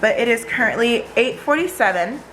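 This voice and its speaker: A woman's voice: a little high, lively intonation, brisk, noisy background. A woman vlogger chatting casually and informally to her viewers in a day-in-the-life style.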